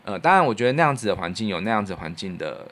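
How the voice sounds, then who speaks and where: A man speaks in a fairly low voice with a Taiwanese Mandarin accent. He sounds like a podcast co-host and radio producer thinking aloud in casual conversation. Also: sing-song, very fast, a bit bright. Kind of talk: casual reflective chat.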